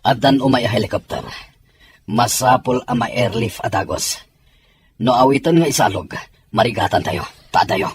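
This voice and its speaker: Guy doing a filipino military commander, mid voice, bossy orders, radio drama, loud music behind. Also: mid-range voice, moderate pace, lightly acted. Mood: grave, steady. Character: commanding male army officer on a battlefield.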